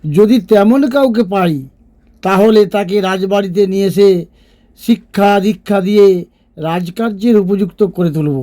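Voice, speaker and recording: A man acts out a fair-minded storybook king in a cartoon. His voice sits quite high for a male, yet it is soft and warm. He reasons things through with measured, thoughtful care. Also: natural voice. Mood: thoughtful, resolved.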